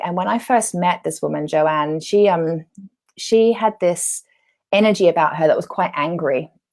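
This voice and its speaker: A woman with a British accent speaks at a fairly low pitch, her intonation lively. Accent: very British. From Australia. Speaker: self-love coach and workshop host. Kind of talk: live online workshop talk. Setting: Facebook Live stream.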